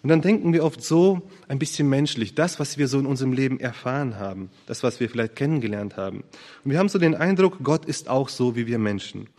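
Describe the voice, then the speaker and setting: A man preaching a sermon in an earnest, thoughtful way, feeling for his words with pauses and restarts. His mid-pitched voice carries a long reverb from a church hall. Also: a little mellow. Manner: earnest, searching, with fillers and restarts.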